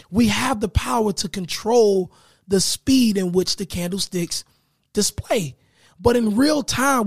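A man hosting his own podcast in a casual motivational style, with a raspy voice that is giving out, often checking in with his listeners. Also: sits high, dry recording, studio quality. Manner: energetic, hyped greetings, repeats "right?". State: losing his voice. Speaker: podcast host.

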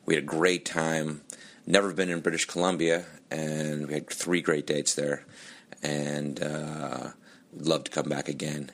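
A man with a very low voice hosts a podcast, rambling through plugs with plenty of ums and uhs. His voice is strained and nearly gone after a run of shows. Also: flat delivery, a little slow. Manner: rambling, many fillers. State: losing his voice. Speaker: podcast host. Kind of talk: casual podcast intro and plugs.

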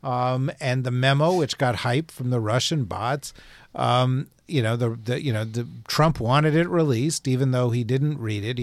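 A man from New Jersey hosts a casual political panel, wry and joking, often stopping on fillers before he lands his point. His voice sits at an ordinary middle pitch and is recorded close and dry, with no room sound around it. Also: no room sound. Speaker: podcast host.

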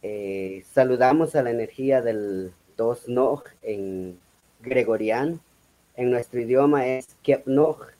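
Mellow-voiced man, K'iche'. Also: mid-range voice, low-quality recording. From Guatemala. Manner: measured, repetitive, with frequent "eh" fillers. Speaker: guest, Maya spiritual speaker. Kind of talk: reflective explanation.

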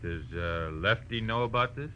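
An actor playing a menacing, taunting crook in a 1940s radio crime drama, talking in bullying slang. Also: male voice, on the low side, moderate pace, pushed and bright. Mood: gruff menace. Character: menacing, sneering tough crook with a gun. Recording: dull, lightly noisy old radio recording.

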